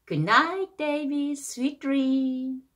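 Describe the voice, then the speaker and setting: A woman voicing a mother in a picture book, reading her lines in a slow, exaggerated way as she scolds and comforts a small boy. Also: sits high, fairly bright tone, pitched above the performer's own voice, heavily acted. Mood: soothing.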